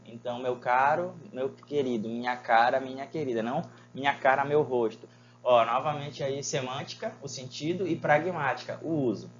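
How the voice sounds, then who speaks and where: The sound is lo-fi as a man with a mid-range voice delivers a recorded online Portuguese lesson. He leans on lots of fillers and poses rhetorical questions to his students.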